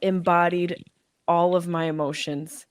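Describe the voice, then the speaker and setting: A woman's voice: fairly low pitch, flat delivery, a little slow, clear, resonant tone, no room sound. A woman hosting a comedy podcast, brash, profane and playful with her guest. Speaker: podcast host. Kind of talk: casual comedy podcast chat.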